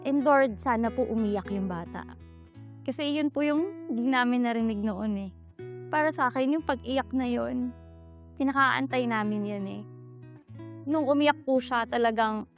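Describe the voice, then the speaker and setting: A woman with a Filipino accent giving an earnest personal testimony of faith. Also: a little high. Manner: earnest, mixes Tagalog with English. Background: guitar music.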